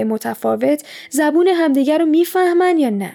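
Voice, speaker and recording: This woman's voice is high in pitch, with a dark, mellow tone. She sounds calm, and her pitch swings very widely. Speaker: podcast host. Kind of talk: scripted narration. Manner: calm reflective.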